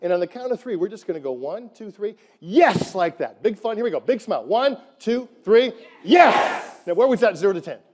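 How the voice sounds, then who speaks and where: A middle-aged man giving an energetic motivational keynote on a conference stage, repeating phrases and firing questions at the crowd. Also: sits high, moderate pace, hardly any pauses. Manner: emphatic, repeats phrases, asks the crowd questions, leads chants. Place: large conference hall on stage. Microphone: headset mic. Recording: live hall with long reverb.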